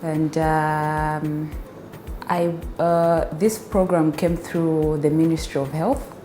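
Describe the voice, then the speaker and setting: A woman's voice: sits low, fairly even intonation, slow, mellow. A Zambian woman, a biomedical scientist, giving a testimonial in a hesitant way with many fillers and restarts. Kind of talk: filmed testimonial interview. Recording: echoey room with faint music.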